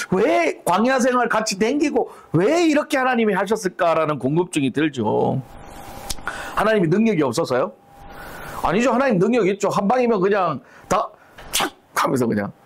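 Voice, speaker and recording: A man leading a church Bible study, animated, asking rhetorical questions and acting out everyday examples. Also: sits high, gravelly.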